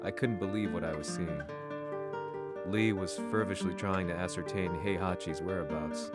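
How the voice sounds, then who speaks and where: A weary middle-aged journalist, voiced by a man narrates in a measured, reflective manner. His voice is very low and deep. A clear music score plays behind him. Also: steady tone, lightly acted. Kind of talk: game cutscene narration.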